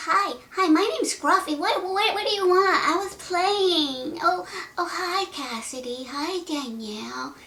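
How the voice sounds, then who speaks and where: Over clear background noise, a woman uses a put-on character voice at an extremely high pitch and a fairly slow pace. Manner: goofy, playful.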